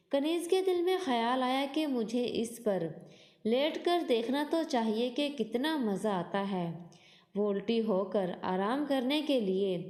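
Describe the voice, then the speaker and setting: A woman's voice: fairly high pitch, darkish tone. A woman reading a scripted moral story as the narrator of a storytelling channel. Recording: echoey, long reverb on voice.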